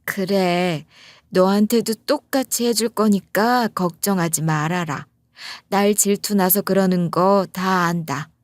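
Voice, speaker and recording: A meek elderly mother who speaks gently and slowly, drawing out her words. Her voice is soft and unassuming, a woman acting her out in a story narration. The recording is dry and close. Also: mid-range voice, no room sound, natural voice. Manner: slow, soft-spoken.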